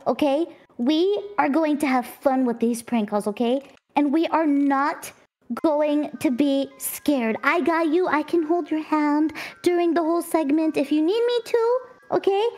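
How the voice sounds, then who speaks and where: A giggly, encouraging woman streamer co-hosting a show with excited casual banter. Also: sits high, normal speed. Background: music.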